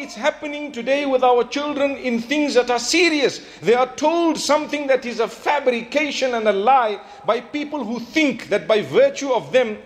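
A man preaching an Islamic sermon. He tells stories animatedly, acts out bits of dialogue and slows down to stress his key points. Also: extremely high pitch. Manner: animated storytelling, acting out quoted dialogue.

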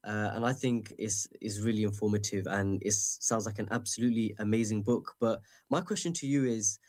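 Halting male interviewer. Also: fairly low pitch, darkish tone. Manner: halting, many fillers. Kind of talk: interview question.

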